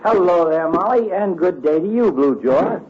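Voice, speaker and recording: An actor playing a sarcastic, bickering older town doctor in an old radio comedy. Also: male voice, high voice, expressive, normal speed, breathy edge. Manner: dry, sarcastic. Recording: muffled old radio transcription.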